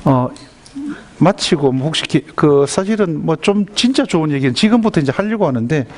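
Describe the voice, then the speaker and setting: A man's voice: a little high, moderate pace. A man giving a lecture to parents, often asking the audience questions. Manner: lively, asks the audience questions. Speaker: lecturer on school violence prevention.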